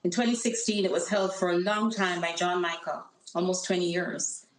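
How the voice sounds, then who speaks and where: A woman's voice: fairly low pitch, steady tone, normal speed, reverberant, rough recording. A woman with a Jamaican accent, a political candidate speaking earnestly and emphatically as a guest on a remote call. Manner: earnest, emphatic campaign talk. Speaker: congressional candidate. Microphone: call audio.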